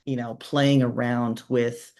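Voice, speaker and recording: A woman's voice: rumbling low, flat delivery, takes it slowly, darkish tone. A woman author being interviewed, talking in a reflective, candid and informal conversational way.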